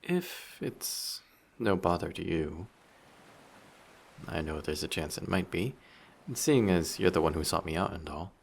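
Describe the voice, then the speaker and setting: Playing a vain, handsome sea monster disguised as a passenger in an audio drama roleplay, this man speaks low, husky and gravelly, unhurried and with long pauses, in an exaggerated voice. He stays polite, formal and confident while teasing, with a curious, playful mood.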